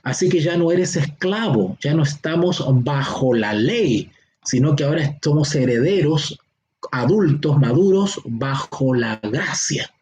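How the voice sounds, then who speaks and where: A man with a Chilean accent teaching a Bible seminar online. He explains slowly, stretches key words and keeps checking that his listeners follow. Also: a little high, lively intonation, darkish tone. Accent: Chilean Spanish. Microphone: online class or teleconference.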